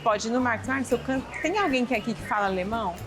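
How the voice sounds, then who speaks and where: A woman's voice: a little high, animated, very fast. Chatty young Brazilian woman. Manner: chatty, acts out quoted dialogue. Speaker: interviewee. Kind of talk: casual interview testimony. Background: background music.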